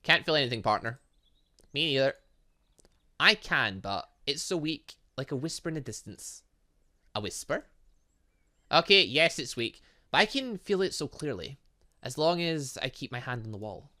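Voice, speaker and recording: A man's voice: medium pitch, normal speed, pauses often. A man reading visual novel dialogue aloud as a gaming host, playfully breaking in with his own asides and reactions. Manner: animated, interjecting, playful asides.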